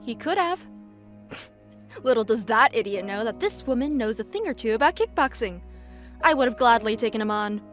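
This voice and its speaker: Casting: feisty young female cashier woman actor for audio drama, high voice, outspoken and stubborn, faint music underneath. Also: lively intonation, moderate pace, a bit bright. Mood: defiant. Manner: feisty, emphatic, forthright. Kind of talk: fan audio drama acting.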